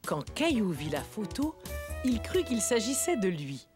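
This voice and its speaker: A gentle storyteller narrating a children's cartoon. Her mid-pitched voice is lively and expressive, with music clearly behind it. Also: a little slow. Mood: gentle, storytelling.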